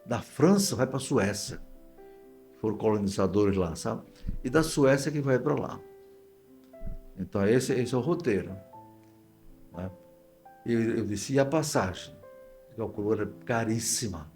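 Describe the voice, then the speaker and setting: A man's voice: on the low side, lively intonation, measured pace, pauses often, darkish tone, faint music behind. An older man with a Northeastern Brazilian accent, a guest pastor telling stories conversationally, repeating phrases and acting out quoted dialogue. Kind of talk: conversational storytelling interview.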